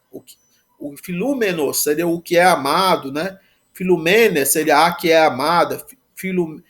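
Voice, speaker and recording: A man teaching a Greek grammar lesson, talking haltingly with many restarts and a constant "né?" after each phrase. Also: a little high, fairly bright tone. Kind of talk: live online grammar lesson.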